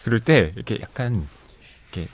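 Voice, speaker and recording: A man's voice: medium pitch, lively intonation, fairly quick. A man who is a literary critic, co-hosting a casual book podcast and reading out listener comments.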